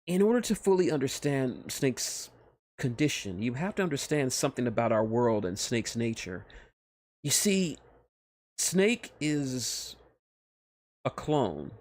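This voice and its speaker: A man's voice: mid-range voice, big pitch swings, unhurried, a little mellow, pitched above the performer's own voice. A man voicing a polite, nerdy and eager male scientist in a fan fiction reading. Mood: earnest, explaining.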